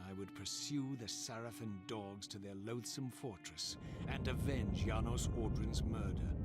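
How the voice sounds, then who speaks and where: An actor playing a vengeful, brooding undead male wraith, narrating a game cutscene in a grave, bitter, measured way. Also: lowish voice, natural voice. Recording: game cutscene with loud music. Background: music.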